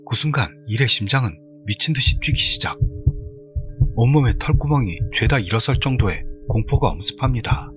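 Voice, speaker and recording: A man's voice: mid-range voice, lively intonation, fairly quick. A man narrating a scripted horror story in a dramatic, suspenseful way. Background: background music.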